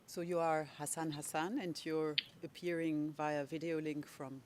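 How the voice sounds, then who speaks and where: Courtroom lawyer, deliberate and measured pacing, middle pitch, faint noise under the voice. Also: little pitch movement. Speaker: legal representative of victims. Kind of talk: courtroom questioning.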